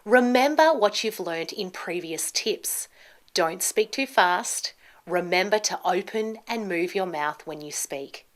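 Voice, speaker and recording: Woman, thirties, pronunciation teacher, slow pace, careful enunciation, marked stress, scripted lesson to camera. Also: lowish voice, lively intonation. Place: small indoor studio with plain backdrop.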